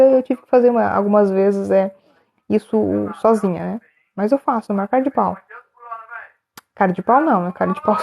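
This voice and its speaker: Gravelly, chatty woman on a lo-fi livestream. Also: mid-range voice. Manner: chatty, laughing, reads viewers' names aloud. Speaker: live streamer answering chat. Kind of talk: casual live chat.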